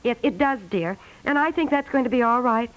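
A woman's voice: a little high, fairly quick, natural voice, low-quality recording. A woman playing a particular, sweetly insistent middle-aged housewife in a 1950s radio comedy. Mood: apologetic, agreeable. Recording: vintage 1950s radio recording.

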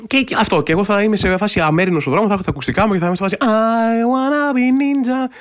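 A man hosting a podcast, talking casually and at length in an animated storytelling way, with wry, incredulous humor and lots of filler phrases. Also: high voice, muffled recording. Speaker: podcast host.

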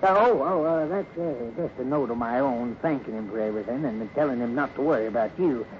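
An actor playing a crusty old hobo with a folksy rural American accent in a 1950s radio drama. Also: male voice, mid-range voice, close to an everyday voice. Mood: kindly, eager. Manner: folksy, scolding, drawn-out sighs and exclamations. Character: crusty old hobo, gruff outside, kindly underneath. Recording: muffled, noisy 1950s radio recording.

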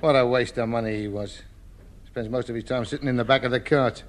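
An actor playing a cheeky, coaxing rag-and-bone dealer in a 1950s radio sitcom. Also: male voice, mid-range voice, fairly even intonation, a little fast, noisy background, close to an everyday voice. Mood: wheedling.

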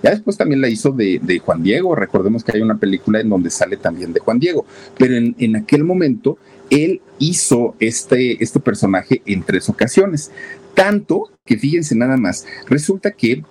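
A man telling a story in a casual, animated way, talking straight to his listeners. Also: mid-range voice, moderate pace, a little hiss or hum. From Mexico. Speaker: storyteller host.

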